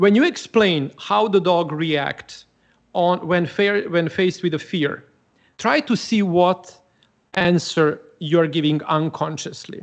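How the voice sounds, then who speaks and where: Against a quiet background, a man with a non-native accent speaks at a very slow pace in a high voice, keeping his loudness very even and his pitch variation ordinary. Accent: foreign-accented English. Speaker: dog behavior expert. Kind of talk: casual live chat. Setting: live stream. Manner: halting.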